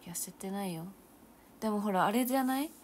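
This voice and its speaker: Reading viewer comments aloud, a young idol streamer chats casually and replies in a soft, self-deprecating tone that often slips into a half-whisper. Her medium-pitched voice moves a little quickly, and a faint hiss or hum sits under the sound.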